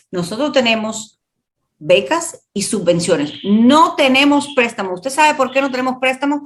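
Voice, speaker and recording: A woman's voice: mid-range voice, a bit bright. An older woman with a Cuban accent hosting a radio show, chatty and explanatory, speaking directly to her listeners. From Cuba. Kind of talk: conversational radio hosting and promotion.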